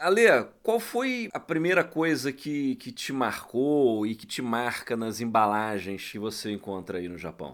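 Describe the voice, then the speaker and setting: At a fairly slow pace, a man with a normal speaking voice and a medium pitch talks with big swings in loudness. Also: lively intonation. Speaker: podcast co-host. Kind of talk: casual chat.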